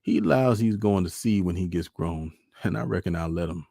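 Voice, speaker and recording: A man playing a gentle, wistful country father with a rural Southern accent and a folksy, plainspoken manner in a storybook reading. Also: low voice, moderate pace, creaky, no room sound, clean studio sound. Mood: firm, wistful.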